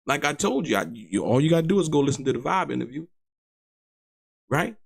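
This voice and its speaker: A man hosting an online show, giving emphatic, indignant commentary in a halting, repetitive way, often repeating words as he argues his point. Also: a little high, very animated, vocal fry, husky. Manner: indignant, disputing. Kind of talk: opinionated commentary to viewers.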